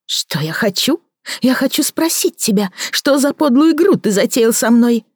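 A bitter, jealous woman hurls scornful accusations in a shrill, overwrought voice, as a female reader puts her on. The sound is dry and close, with nothing behind it. It is an audiobook character voice. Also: expressive, moderate pace, breathy edge, no echo. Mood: accusing, scornful.

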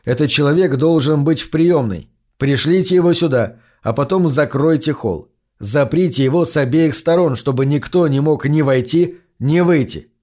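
A man's voice: fairly high pitch, moderate pace, a little mellow, natural voice. A man reading an audiobook, voicing a male doctor in a clipped, commanding tone.

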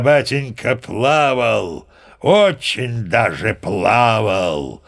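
A man's voice: medium pitch, a bit bright. An actor playing a grandiose, boastful old sea captain in an audio play, savouring his phrases theatrically. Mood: boastful, nostalgic. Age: older. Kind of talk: audio play character acting.

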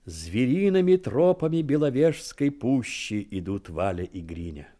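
A man's voice: mid-range voice, warm tone. Solemn male narrator of a war drama. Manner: solemn, literary storytelling.

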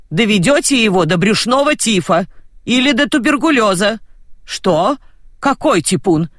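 Prim scolding grandma, as a male reader puts her on, high and lively, dry close sound. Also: no echo, full character voice. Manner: shrill indignant scolding. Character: fussy city grandmother, prim, shrill, scolding.

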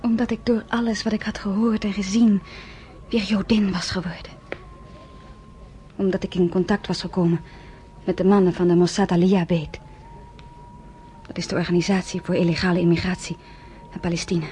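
An actress playing a young Jewish woman survivor who narrates her own story in a radio play, softly and often close to a whisper. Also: on the low side, flat delivery, normal speed, long pauses, a little hiss or hum, close to an everyday voice. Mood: subdued, grave. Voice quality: soft-spoken, often near a whisper.

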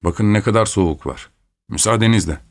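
A man reading as a curt, husky old doorkeeper. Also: lowish voice, fairly quick, close to an everyday voice. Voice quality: muffled, husky. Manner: curt, evasive replies. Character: grumpy old male doorkeeper.

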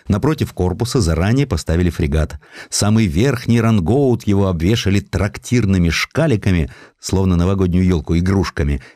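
A man giving an expressive scripted narration of a historical story, with an ironic, theatrical way of telling it. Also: low voice, no room sound, clean studio sound. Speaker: narrator of a historical audio sketch.

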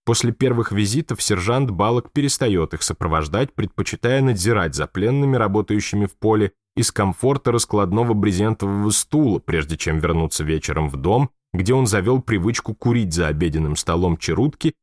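A man calmly narrating an audiobook in an even, steady reading. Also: fairly low pitch, fairly quick, few pauses, no echo. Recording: dry close studio recording.

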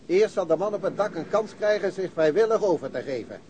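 High-voiced, formal police chief. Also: male voice, animated, a little fast, warm tone, a little hiss or hum. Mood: official, firm. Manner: formal, official phrasing. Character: formal, self-assured male police chief giving orders. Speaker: actor. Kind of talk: Dutch radio drama acting.

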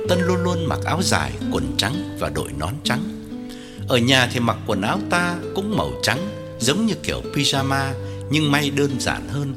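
A man narrating a story with dramatic, widely varied delivery. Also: mid-range voice. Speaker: audiobook narrator. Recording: long hall reverb, faint music.

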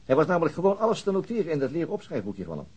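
A man's voice: a little high, huge pitch swings, racing, a little mellow, slightly rough, full character voice. An actor playing a methodical, slightly weary police detective in a radio drama, hesitating as he thinks aloud. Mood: explaining, pondering. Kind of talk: naturalistic radio drama acting.

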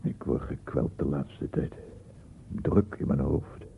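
An actor playing a tormented, easily offended old man in a radio drama, brooding and halting in his speech. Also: rumbling low, expressive, gravelly, full character voice. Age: older. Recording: dull, noisy old radio play recording.

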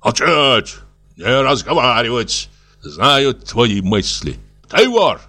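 A man's voice: sing-song, slow pace, soft background music, full character voice. A man voicing a bullying rural gendarme who barks orders in a piercing voice. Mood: furious. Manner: shrill shouting orders.

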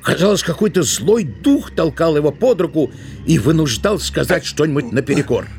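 A man's voice: fairly high pitch, animated, moderate pace, darkish tone, soft background music. A man narrating a story expressively for an audio drama.

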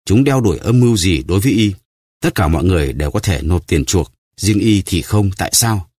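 A man voicing a starving male prisoner who stammers and begs for his life, in a dry, low voice. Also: expressive, a little fast, darkish tone, slightly rough, dry recording. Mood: frantic. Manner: pleading, stammering.

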